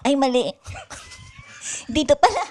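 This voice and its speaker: A woman's voice: high-pitched, expressive, unhurried, darkish tone, a little hiss or hum. A woman playing a polite, eager, chattering young girl in an improvised radio drama.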